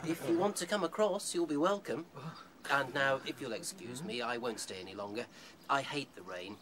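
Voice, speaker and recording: A man's voice: medium pitch, moderate pace, a crowd in the background, lightly acted. A British man acting a suave, languid, aloof rabbit in a radio play, speaking formally and without hurry.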